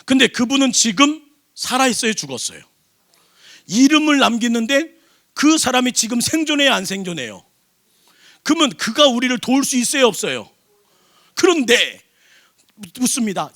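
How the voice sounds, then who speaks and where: A senior pastor preaching a sermon in a church service, throwing call-and-response questions at the congregation. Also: male voice, very high voice, creaky, a bit bright.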